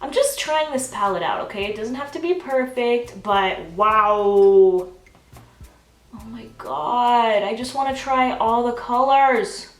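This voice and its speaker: A woman's voice: a little high, slow pace, reverberant, distant mic. A young woman chatting bubbly and gushing through a makeup tutorial at home, talking straight to her viewers. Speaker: beauty vlogger. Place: home, filming herself.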